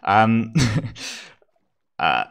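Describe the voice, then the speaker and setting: A man's voice: fairly low pitch, big pitch swings, extremely slow, gravelly, dull audio. A man hosting a gaming channel, giving casual gameplay commentary with frequent giggles, stumbles and self-deprecating asides.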